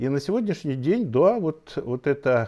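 Over a quiet background, a man's dark, mellow voice moves through very wide pitch swings. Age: 60s. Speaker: numerologist; numerology teacher. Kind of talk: interview. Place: home room.

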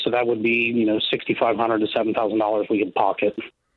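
Over noticeable background noise, a man talks at a very fast pace. His pitch is medium. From US Midwest. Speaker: caller. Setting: phone call.

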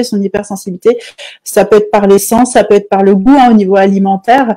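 Talking at a fairly quick pace, a woman has a dark, mellow tone. Her pitch varies in an ordinary way over a quiet background. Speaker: live co-host, wellbeing coach. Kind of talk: casual live-stream discussion. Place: home room. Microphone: earbuds.

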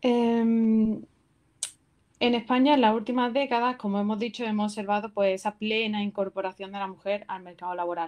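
The speech moves at a moderate pace with an Andalusian accent. Its intonation stays fairly even. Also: woman, fairly high pitch for a woman. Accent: Andalusian (Málaga). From Spain, Málaga (Torre del Mar, Andalusia). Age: 20s. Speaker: economics PhD student. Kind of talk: interview.

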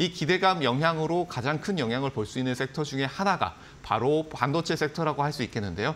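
Talking at a very fast pace, the man has a fairly high pitch. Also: ordinary pitch variation. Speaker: stock market analyst. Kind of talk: market commentary. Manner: formal. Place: studio. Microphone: lapel.

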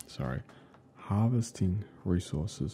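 The voice is soft-spoken, with a relaxed tone. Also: man. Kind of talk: game guide walkthrough narration. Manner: soft-spoken, relaxed.

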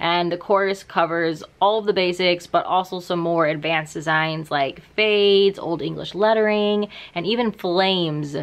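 In a plain, everyday voice, the speaker talks at a moderate pace with fairly even intonation and hardly any pauses. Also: woman, fairly low pitch for a woman. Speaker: video creator vlogger. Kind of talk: casual vlog chat.

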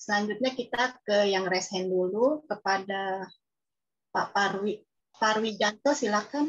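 The pace is fairly slow, with ordinary pitch variation. The background is quiet. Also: woman. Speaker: seminar moderator. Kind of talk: formal moderation. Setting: video call. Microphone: video call.

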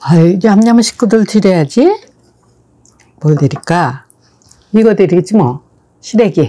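Against a quiet background, a woman with a dark, mellow tone and medium pitch speaks at a fairly slow pace with lively intonation, very even loudness, and long, frequent pauses. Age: old. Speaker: mukbang cooking creator; mukbang host. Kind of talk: casual eating show chat. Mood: warm, cheerful. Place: home room.

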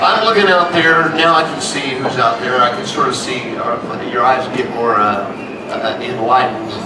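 Audible room echo and noticeable background noise surround speech at a moderate pace. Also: man. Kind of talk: stage banter. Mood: jokey, friendly. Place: stage.

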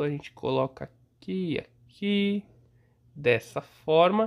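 This is a man speaking. His pitch is high. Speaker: YouTube clay modeling creator. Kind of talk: tutorial. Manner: casual and conversational.

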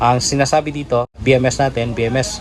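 Noticeable background noise behind a man speaking at a medium pitch. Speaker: solar DIY video creator. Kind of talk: tutorial.

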